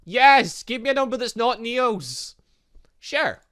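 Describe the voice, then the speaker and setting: A game playthrough host reading aloud and commenting in a rambling, excitable, self-interrupting way. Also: mid-range voice, slow. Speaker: gaming video host.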